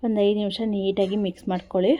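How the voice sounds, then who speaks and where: A woman's voice: medium pitch, little pitch movement, fast, mellow. A woman with a Kannada accent, talking viewers through a recipe at an easy pace in a casual cooking vlog, repeating simple instructions. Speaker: cooking vlogger.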